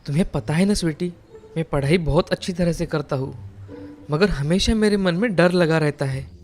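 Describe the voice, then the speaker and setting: A woman's voice: deep voice, normal speed, darkish tone, a little hiss or hum, lightly acted. Woman voicing a worried cartoon schoolboy. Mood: earnest. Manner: worried, hesitant. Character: anxious clever schoolboy, unsure of himself.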